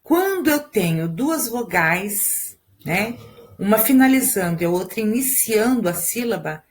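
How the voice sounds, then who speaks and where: Brazilian woman teacher explaining step by step. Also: lowish voice. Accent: Brazilian Portuguese. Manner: reads verse slowly and counts syllables aloud. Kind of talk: recorded school lesson.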